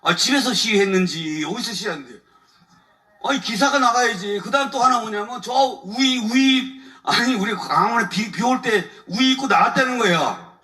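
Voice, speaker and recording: Bright, lively man speaking far off-mic. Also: high voice, moderate pace. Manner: colloquial, chuckles often, aggrieved storytelling. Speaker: lawyer giving testimony at a church meeting. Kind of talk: animated testimony talk. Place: church evening service before a congregation.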